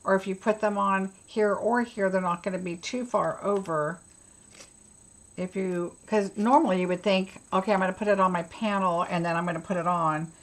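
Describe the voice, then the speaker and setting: A woman leads a hands-on craft class in a casual, chatty way. Her voice sits at an ordinary middle pitch for a woman. She talks through each small step as she works, as if half to herself. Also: steady tone, moderate pace, slight background noise. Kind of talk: casual live craft tutorial.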